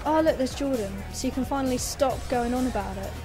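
A woman's voice: sits high, fast, close to an everyday voice. A woman playing a laid-back, teasing young student in an audio drama. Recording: busy crowd and music behind voice.

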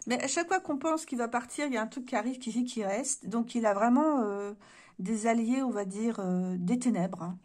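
A woman's voice: a little high, normal speed, a little mellow. A woman doing a casual card reading to camera indoors, musing aloud with many hesitations and her voice giving out. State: voice giving out, clears throat. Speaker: card reader. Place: room indoors.

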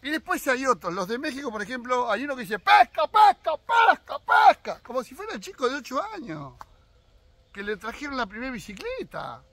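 An Argentine man in his sixties talks outdoors on his own land, sharing firm opinions directly with his viewers. His voice sits high and bright, and his pitch swings widely as he makes his points. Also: big pitch swings, a little fast, dry recording. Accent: Argentine Spanish. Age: 60s. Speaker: fishing vlogger. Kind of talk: casual opinion monologue.

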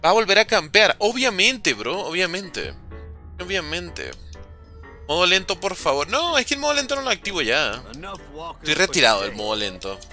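A young man streaming a game, chatting casually with viewers and calling out their names in an excitable, slangy way. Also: high voice, quick pace, soft background music. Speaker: gaming livestreamer. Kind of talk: casual livestream chat while playing, reading chat aloud.

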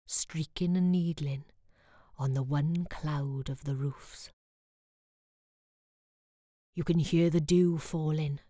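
Slow, low-pitched Welsh woman narrating poetically. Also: no echo, clean studio sound. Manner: hushed, measured, breathy drops to near whisper. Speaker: voice-over actress. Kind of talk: dramatic literary narration, hushed recital of poetic prose.

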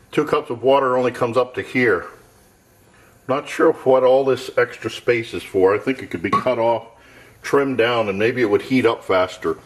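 A man casually narrating a camping stove test off camera in a cluttered home workshop, thinking aloud in a plain, matter-of-fact way. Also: medium pitch. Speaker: gear tester.

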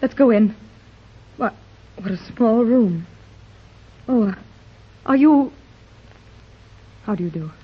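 A breathy, anxious mother. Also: a little high, expressive, slow, pauses often, exaggerated voice. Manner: emotional, tremulous. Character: anxious wealthy mother searching for her lost daughter. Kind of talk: 1930s radio drama acting. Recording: dull old 1930s radio recording.

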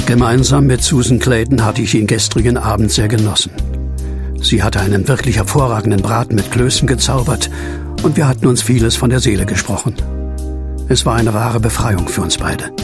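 Actor as gravelly male narrator of horror. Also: medium pitch, brisk, over music, lightly acted. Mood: reflective. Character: brooding male narrator, former asylum patient fearing werewolves. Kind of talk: first-person horror audio drama narration.

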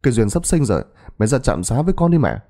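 A man voicing a flustered young husband who rushes and stammers, shouting in a storybook tale. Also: medium pitch, very animated, gravelly. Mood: urgent.

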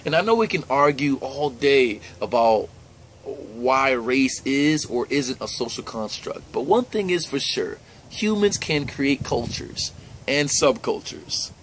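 A man's voice: medium pitch, expressive, measured pace, fairly bright tone, slight background noise, rough recording. Young man musing earnestly to camera. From United States. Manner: earnest, conversational, with easy laughs. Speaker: vlogger. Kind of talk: personal reflective vlog. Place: indoors by a plain wall.

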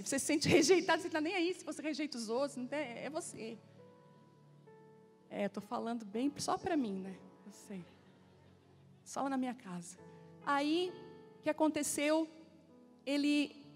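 A woman pastor in her forties preaches from the pulpit, with a high voice. She tells stories and acts out dialogue in lively bursts. Soft music plays faintly behind her. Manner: animated storytelling with acted-out dialogue. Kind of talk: sermon. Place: church.

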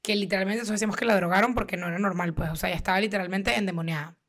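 Woman, young adult, Venezuelan accent, quick pace, animated storytelling. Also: mid-range voice. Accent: Venezuelan Spanish. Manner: animated, slangy, acts out quotes loudly. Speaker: podcast co-host. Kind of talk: casual storytelling chat.

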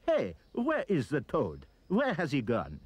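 A man voicing an excitable, hungry French mob, shouting greedily. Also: a little high, measured pace, husky, voice pushed up, exaggerated voice. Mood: greedy, shouting.

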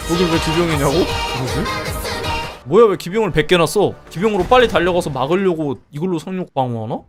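Young male streamer, excitable play-by-play, slightly strained voice. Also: a little high, brisk, music in the background. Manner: animated, exclaiming, laughing often, swearing. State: strained voice from singing. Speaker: streamer commentating a multiplayer strategy game. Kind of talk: excited live game commentary.

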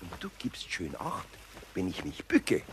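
A man's voice: sits low, huge pitch swings, a little slow, noisy background, heavily acted. A man playing a good-natured, sly older master craftsman with a Bavarian accent in a children's radio play, homely and admonishing. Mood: patient, scheming.

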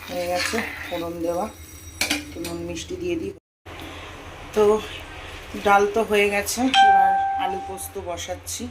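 A woman's voice: fairly low pitch, steady tone, normal speed, pauses often, very noisy. A woman in her thirties chatting casually to viewers as she goes about her day at home and cooks. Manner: chatty, talks straight to viewers in a homely way. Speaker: vlogger and mother. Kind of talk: casual daily-life vlog narration. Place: home kitchen and rooms, indoors.

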